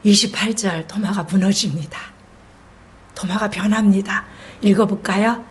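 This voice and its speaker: A middle-aged woman pastor preaching a Sunday sermon in an animated way, often acting out the gentle voice of Jesus speaking to his disciples. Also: medium pitch, normal speed, slight background noise.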